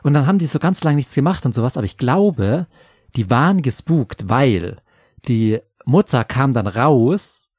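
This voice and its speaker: A man improvising a comedy scene, an animated storyteller who breaks into loud high voices. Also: moderate pace, breathy edge, no echo, studio quality. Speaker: improv performer.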